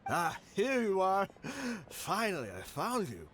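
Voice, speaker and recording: A man's voice: high-pitched, huge pitch swings, measured pace, fairly bright tone, heavily acted. A man playing a defeated, conciliatory desert mercenary in an anime game, his words slurred as if his tongue were injured. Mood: relieved. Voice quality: slurred, tongue-impaired pronunciation.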